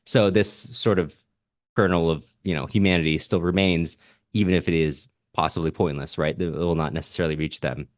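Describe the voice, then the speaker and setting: A man with a low-pitched voice speaks as a podcast host. He moves between reading comments aloud and offering measured, reflective commentary. The recording is close and dry. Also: fairly even intonation, no room sound.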